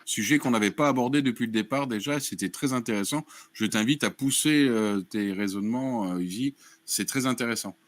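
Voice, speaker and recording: A man moderating a casual group discussion in a measured way, inviting others to develop their views. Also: mid-range voice. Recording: faint background noise.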